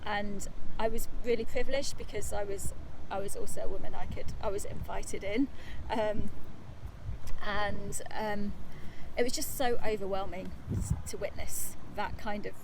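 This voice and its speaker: A woman giving a reflective interview answer, hesitant and thoughtful with many pauses. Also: medium pitch, fairly even intonation. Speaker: interviewee, heritage project researcher. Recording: noisy background.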